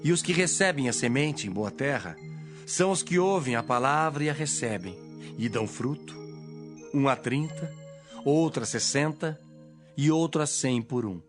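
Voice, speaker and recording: A man's voice: mid-range voice, animated, moderate pace, lightly acted. Male actor as authoritative holy teacher, solemn, widely varied intonation, audio Bible drama, prominent music. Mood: solemn teaching.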